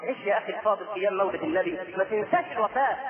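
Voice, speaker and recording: A man with an Egyptian accent preaching an emotional sermon, shifting between slow, drawn-out chanting and impassioned cries. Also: high voice, crowd noise. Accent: Egyptian Arabic. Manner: impassioned, rising to near-shouting peaks. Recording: echoey hall from far off, phone-like sound.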